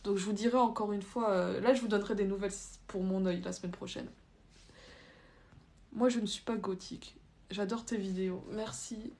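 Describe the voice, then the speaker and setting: Young woman doing a live, chatting casually, reads comments out and answers kinda blunt, medium pitch. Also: steady tone, normal speed, gravelly, darkish tone. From France. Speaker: livestream host.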